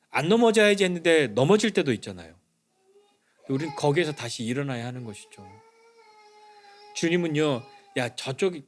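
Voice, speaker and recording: A man, a pastor, giving a Sunday sermon in a conversational way, often dropping to soft, low lines for emphasis. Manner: conversational preaching, acts out quoted dialogue.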